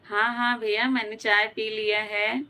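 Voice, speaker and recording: Woman from Uttar Pradesh, live stream host, bright voice, fairly flat delivery, chatty, greets viewers by name. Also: a little high, unhurried. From Uttar Pradesh, India. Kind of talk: casual live chat reading viewer comments.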